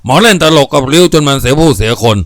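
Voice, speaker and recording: A man's voice: a little high, big pitch swings, fast talker, fairly bright tone, no echo. Narrator playing a vengeful, sneering older man with a gun; dry storybook voice. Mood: bitter.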